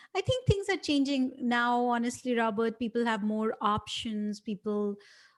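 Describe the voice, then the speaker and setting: A woman with an Indian accent speaks at a high pitch with lively intonation and a moderate pace. The recording is very clean, with a silent background. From India, small town of Roorkee. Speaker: business strategist and author. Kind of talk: interview.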